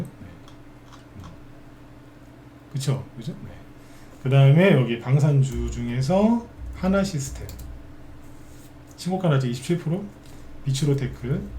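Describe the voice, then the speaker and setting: Mellow-voiced guy doing live stock commentary, chatty, keeps asking "right?", echoey room, faint hum. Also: mid-range voice. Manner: chatty, asks tag questions and answers himself. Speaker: stock market broadcaster.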